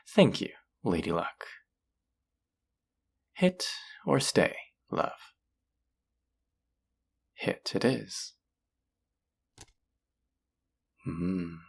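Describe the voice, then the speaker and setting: Husky, creaky, teasing demon dealer played by a woman. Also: a bass voice, exaggerated voice. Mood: playfully taunting. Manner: slow, teasing, flirtatious, taunting. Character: teasing, possessive demon casino dealer of the underworld. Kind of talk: flirty roleplay audio drama, intimate one-on-one.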